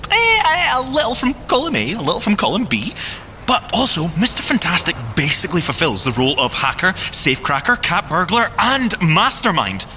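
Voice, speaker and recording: An actor playing a boyish, excitable, boastful inventor agent in audio drama banter, with a theatrical delivery. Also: male voice, high-pitched, brisk, soft background music, full character voice. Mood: playful, enthusiastic. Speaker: agent and engineer character.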